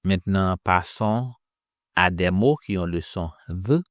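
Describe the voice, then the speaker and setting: A man teaching pronunciation in a slow instructional lesson, drilling sounds by repeating syllables. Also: sits low, no echo, studio quality.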